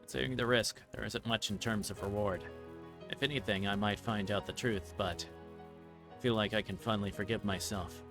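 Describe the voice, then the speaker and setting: Man reading as a rueful aging police detective, low. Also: steady tone, fairly quick, natural voice. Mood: resolved. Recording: music playing behind the voice.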